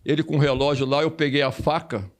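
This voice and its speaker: An older Brazilian former footballer, a guest in an interview, telling stories casually, repeating phrases and acting out quoted voices. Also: male voice, fairly high pitch, steady tone, brisk.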